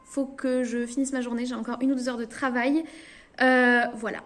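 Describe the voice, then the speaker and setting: A tired woman from France chats casually to the camera in a strongly echoing room, quick and full of hesitations. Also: a little high, little pitch movement. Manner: chatty and quick, with frequent hesitations. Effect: strong echo of a resonant room. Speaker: video creator.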